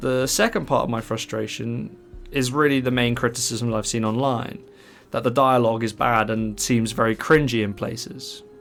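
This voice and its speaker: Over music in the background, a man with a medium pitch speaks at a moderate pace with fairly even intonation. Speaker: gaming YouTuber. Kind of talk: video essay commentary. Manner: many pauses while speaking; halting, with fillers.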